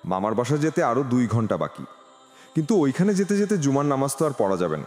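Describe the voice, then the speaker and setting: A man narrating a romantic story in the first person, expressive and animated. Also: medium pitch, fast talker. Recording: reverberant with music behind.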